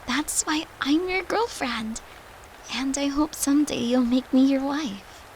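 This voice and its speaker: A woman playing a devoted, tender girlfriend who soothes her lover in a soft, affectionate, intimate roleplay. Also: high-pitched, a little hiss or hum. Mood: loving, earnest. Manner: soft, soothing, affectionate, unhurried, at times whispering. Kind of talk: intimate roleplay audio, comforting.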